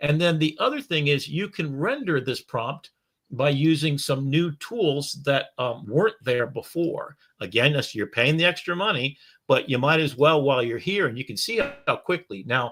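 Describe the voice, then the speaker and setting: In a very clean recording with a silent background, a man with a fairly high pitch and an ordinary speaking voice talks at a moderate pace with lively intonation. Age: 60s. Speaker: digital artist demonstrating AI tools. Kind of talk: software walkthrough in a live stream. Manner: casual, conversational.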